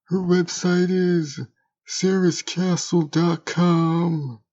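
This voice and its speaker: Man playing a slow, sly internet troll creature. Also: high voice, flat delivery, a little mellow, highs cut off. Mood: placating. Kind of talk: audio drama character acting.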